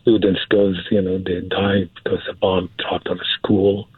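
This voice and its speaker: Low, husky caller on a phone line. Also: male voice, flat delivery, no room sound. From Syria. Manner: halting, repeats words, restarts often; nervous. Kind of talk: call-in radio conversation. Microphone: telephone. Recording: tinny, muffled phone line.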